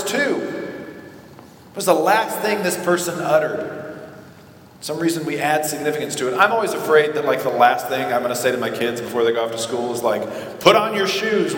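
A man preaching in a church sanctuary, earnest with a dry, self-deprecating humor. His voice sits a little higher than most men's. The sermon echoes through a long, roomy hall with a faint hiss underneath. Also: fairly bright tone. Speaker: pastor.

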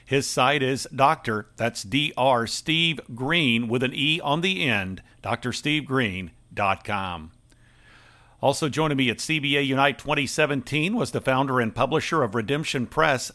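A man's voice: mid-range voice, a little slow, bright, forceful tone, dry recording. A man hosting a Christian radio interview show, asking long rambling questions and laughing easily.

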